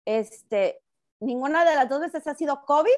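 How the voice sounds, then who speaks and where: A middle-aged Mexican woman chatting as a guest on a radio talk show, with a loud voice that sounds almost like shouting, often restarting and repeating her words. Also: high-pitched, moderate pace. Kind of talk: casual chat.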